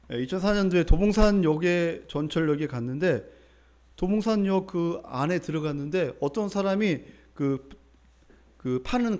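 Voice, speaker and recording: A male pastor delivers a sermon in church. His voice sits high for a man and moves lively up and down as he tells his story. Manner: animated storytelling, acting out the people in his story.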